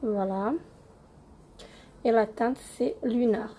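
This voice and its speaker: A young woman with a cold-roughened voice, hesitantly reviewing beauty products in a casual home vlog with many fillers. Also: on the high side, steady tone, takes it slowly, dark tone, slight background noise. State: hoarse from a cold. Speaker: beauty vlogger.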